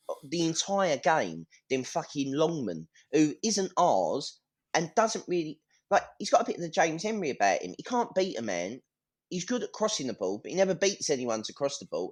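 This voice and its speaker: A man talking football as a fan on a podcast, blunt and full of swearing, in a ranting casual style. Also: mid-range voice.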